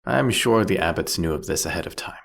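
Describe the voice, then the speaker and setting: Man voicing a male vampire king, low gravelly voice, swooping intonation, sardonic, eloquent, fantasy audio drama. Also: animated, fairly bright tone, full character voice. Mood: defiant, mocking. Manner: mocking, eloquent, unhurried, drawn-out delivery. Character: captured vampire king, male, sardonic, philosophical, proudly ruthless. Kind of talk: theatrical fantasy audio roleplay monologue.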